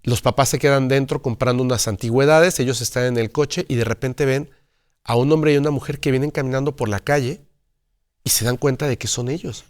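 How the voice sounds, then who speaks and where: Casting: man as a guest storyteller, dramatic delivery, middle-pitched voice. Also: fairly even intonation, fairly quick. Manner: dramatic storyteller who acts out dialogue. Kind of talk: telling a paranormal story in conversation.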